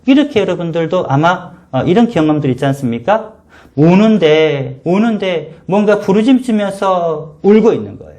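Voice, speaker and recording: A man's voice: sits high, a little mellow. A male pastor preaching a sermon for a home worship service, earnest and emphatic, building to fervent appeals.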